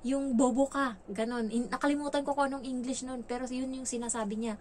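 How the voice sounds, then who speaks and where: A woman's voice: high voice, steady tone, fast, darkish tone, slight background noise. A woman from the Philippines vlogging casually and frankly about her work as a domestic helper abroad. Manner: chatty, frank, acts out quoted lines. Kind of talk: casual storytelling vlog.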